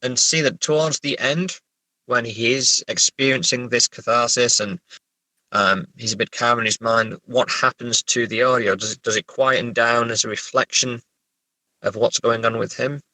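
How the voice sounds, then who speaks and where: A man's voice: medium pitch, fairly even intonation, moderate pace, sharp tone, no room sound, rough recording. A man talking as a writer in a casual interview, reflective and hesitant, often repeating words as he thinks. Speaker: writer, podcast guest.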